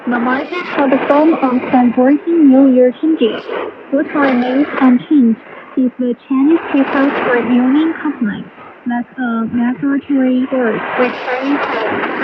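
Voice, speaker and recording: Female radio presenter, high register, scripted narration, dull shortwave sound buried in heavy noise. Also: fairly even intonation, a little slow. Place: radio broadcast heard over shortwave receiver.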